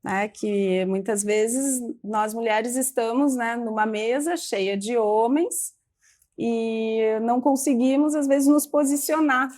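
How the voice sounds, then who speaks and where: A woman hosts a studio interview, her voice sitting a little higher than most. She talks her questions through in a musing way, dropping in quick tag questions as she goes. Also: a little mellow. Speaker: talk show host. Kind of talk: conversational interview.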